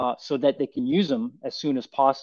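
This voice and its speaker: A plain, everyday voice from a man, fairly high in pitch with lively intonation, dry with no echo against a quiet background. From Canada. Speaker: guitar teacher. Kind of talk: casual interview chat with lesson explanation. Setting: live stream. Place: home room. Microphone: webcam.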